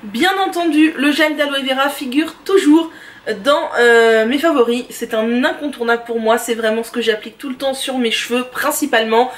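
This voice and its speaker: A woman vlogger enthusiastically reviewing her favorite products in a chatty, casual way, often pausing with "euh". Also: high voice. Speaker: beauty and lifestyle vlogger. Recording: voice distant from the mic.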